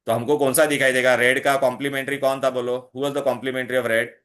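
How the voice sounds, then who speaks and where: Quick-talking South Asian man tutoring. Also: mid-range voice, flat delivery, a bit bright. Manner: repetitive, quizzing, checking with questions. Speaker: chemistry tutor. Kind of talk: interactive one-on-one lesson, mixing English and Hindi.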